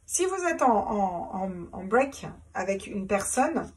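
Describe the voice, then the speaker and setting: A woman's voice: mid-range voice, very animated, slow, distant mic, noisy background. A woman doing a casual tarot reading, chatty, repeating herself and laughing at her own jokes. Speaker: tarot reader.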